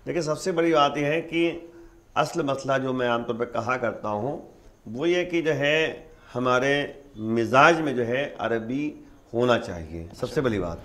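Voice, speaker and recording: A man's voice: medium pitch, animated, fairly bright tone. A man, a religious scholar explaining things step by step with many repeated examples. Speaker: Islamic scholar. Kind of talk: religious teaching in conversation.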